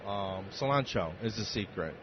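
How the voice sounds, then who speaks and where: A man's voice: lowish voice, expressive, normal speed. A man in his forties from the United States, a comedian being interviewed, chatting casually with joking, self-deprecating banter. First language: Spanish. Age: 40s. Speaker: interview guest, comedian and speaker. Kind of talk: casual chat. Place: on location at a busy convention. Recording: dull lo-fi, loud event background noise.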